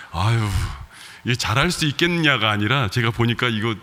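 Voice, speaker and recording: A male pastor with a regional Korean dialect accent, preaching a conversational sermon with soft laughs and fillers. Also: mid-range voice, animated, measured pace, long reverb tail. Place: church sanctuary.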